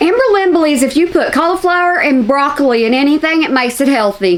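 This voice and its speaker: A woman with an American accent talks very fast in a high voice with very wide pitch swings and very even loudness, with noticeable background noise behind her. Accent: Texas accent, sometimes pronounced. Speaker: YouTube reaction commentator. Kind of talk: reaction commentary.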